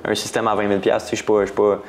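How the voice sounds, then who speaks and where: A young man with a Quebec French accent talks in a lowish voice. He rambles casually through his story in an interview, full of slang and English words mixed into his French. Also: level tone, very fast. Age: 20s. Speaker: guest entrepreneur.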